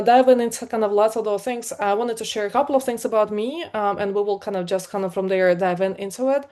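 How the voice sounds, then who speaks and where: A middle-aged woman with a Ukrainian accent speaks to an online meetup in a talk on product work. Her voice sits at an ordinary pitch, and she keeps a conversational, energetic flow with frequent ums and uhs. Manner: many fillers, energetic and conversational. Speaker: conference speaker, product leader.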